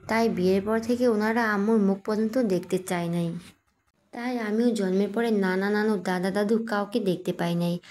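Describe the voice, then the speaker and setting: A young woman narrating a first-person audio story in a playful, lively way and voicing every character herself. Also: medium pitch.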